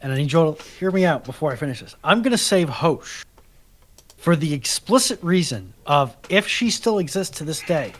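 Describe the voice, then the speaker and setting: A man with a slightly high voice takes part in a casual panel chat. He is dry and deliberate, leaning on wordy emphasis. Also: lively intonation.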